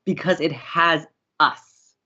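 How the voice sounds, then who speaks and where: A woman's voice: sits low, fairly even intonation, takes it slowly, pushed and bright, breathy edge, muffled recording, full character voice. A young woman acting as a breezy, romantic and theatrical college radio co-host in an audio comedy. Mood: playful, mock-romantic. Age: young adult. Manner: playful, dramatic.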